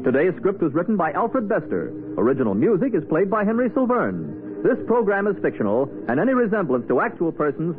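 An American man working as a radio announcer, reading scripted copy in a polished, formal 1940s style. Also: sits high. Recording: tinny, hissy 1940s radio recording.

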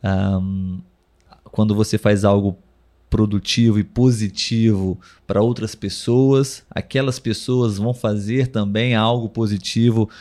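A podcast host with a Brazilian Portuguese accent leads a live conversation, speaking slowly and thoughtfully with plenty of pauses and fillers. His voice is lowish, steady, and mellow.

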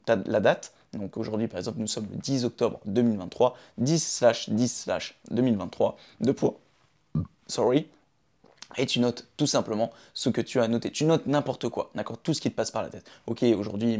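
A young man talks through his routine in a loose, friendly way, tossing in "d'accord?" after nearly every point. His voice sits in a middle pitch. It sounds like a phone recording in his own room. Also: a little mellow. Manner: chatty, often checks in with "d'accord?" and "ok?". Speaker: vlogger sharing his daily routine. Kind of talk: casual direct-to-camera advice. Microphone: phone camera.

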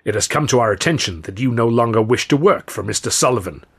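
A man voicing a hulking, slow-witted gangland thug in an audiobook, ponderous and politely threatening. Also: mid-range voice, expressive, breathy edge. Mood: polite menace. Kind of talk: audiobook character dialogue.

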